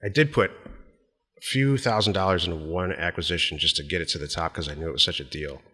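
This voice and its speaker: Deep-voiced American man, bright and forceful. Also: fairly quick, breathy edge, long reverb tail. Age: middle-aged. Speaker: podcast co-host. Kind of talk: casual business podcast chat.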